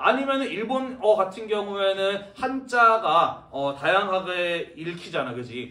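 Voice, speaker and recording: Amid noticeable background noise, a man with a high pitch speaks with very wide pitch swings. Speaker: high school history teacher. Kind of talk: classroom lecture. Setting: classroom. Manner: loud.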